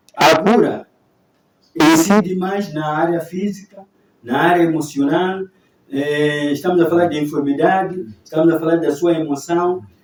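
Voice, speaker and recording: A man with a non-native accent speaks at a fairly slow pace in a high pitch with fairly even intonation. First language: Shona (speaking Portuguese). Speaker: pastor. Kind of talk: panel discussion on TV.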